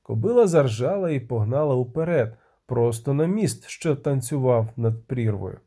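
A man's voice: mid-range voice, expressive, normal speed, warm tone, slightly rough. A man narrating a fantasy audiobook with tense, vivid delivery.

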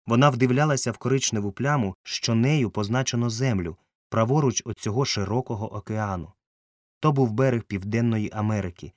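A man narrating a novel in a measured, clear reading. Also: fairly low pitch, a little mellow, no room sound, clean studio sound. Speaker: audiobook narrator. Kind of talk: scripted narration.

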